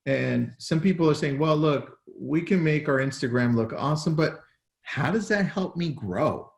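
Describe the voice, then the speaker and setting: A man's voice: on the high side, animated, normal speed, vocal fry. A man hosting a casual interview who repeats words as he steers the talk. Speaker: host. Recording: roomy echo.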